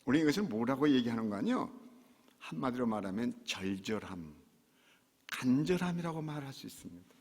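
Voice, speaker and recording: A man preaching a sermon as pastor, acting out quotes and sometimes shouting. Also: medium pitch, big pitch swings, a little fast, breathy edge. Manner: dramatic, acts out quotes and shouts. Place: church sanctuary. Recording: long church hall reverb.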